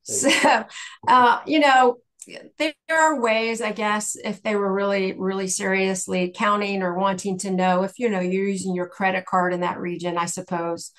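A woman with a mid-pitched voice speaks as a guest expert in a question-and-answer session. She explains things carefully and in measured steps, like someone walking through regulations point by point. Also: steady tone, a bit bright. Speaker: guest speaker, tax exchange specialist.

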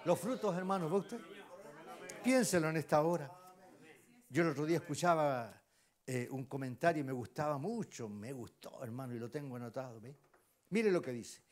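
A man with a Chilean accent preaching a sermon, often turning to the congregation with questions and swinging between loud exclamations and hushed asides. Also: a little high, moderate pace. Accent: Chilean Spanish. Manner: emphatic, keeps asking the congregation rhetorical questions. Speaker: lay preacher.

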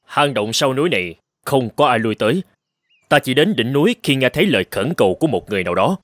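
A man playing a proud young tribal warrior posing as a god in an animated folktale, commanding and protective. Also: mid-range voice, fast, no room sound, clean studio sound, lightly acted. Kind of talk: dubbed animated folktale acting.

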